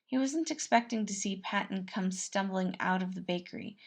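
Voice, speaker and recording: A woman's voice: medium pitch, normal speed. A woman reading a story aloud as narrator, in a storytelling style. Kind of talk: storytelling narration of fan fiction.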